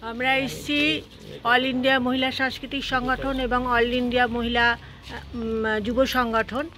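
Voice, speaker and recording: A protester answering a reporter on the spot, hesitant, with many pauses and fillers. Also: medium pitch, completely flat delivery, a crowd in the background. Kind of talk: on-the-spot interview.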